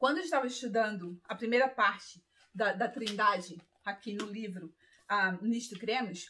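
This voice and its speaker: Her voice is bright and sharp, with a fairly high pitch and ordinary pitch variation. The woman speaks at a moderate pace. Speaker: Bible teacher. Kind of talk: casual video monologue. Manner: halting, disfluent.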